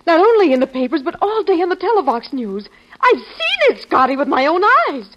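Worried wife, 50s radio play, high pitched n melodramatic, dull old recording. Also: female voice, sing-song, brisk. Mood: insistent, distressed. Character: anxious, devoted, frightened young wife. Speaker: radio drama actor. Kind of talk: 1950s radio drama acting.

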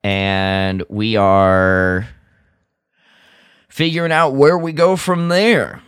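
A man's voice: fairly low pitch, steady tone, very slow, smooth, no room sound, clean studio sound. A man co-hosting a podcast, chatting casually about sci-fi books in a laid-back, jokey way. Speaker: podcast co-host.

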